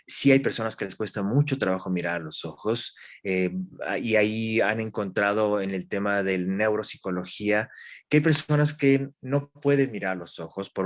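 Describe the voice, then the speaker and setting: A man, a guest expert in an interview, explaining calmly with examples and questions to the listener. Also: on the low side. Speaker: guest expert in human development.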